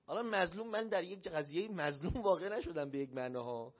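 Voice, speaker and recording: A man's voice: on the high side, husky. A man preaching a religious sermon, telling a personal story and acting out the voices he quotes. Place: shrine hall. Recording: dull lo-fi recording.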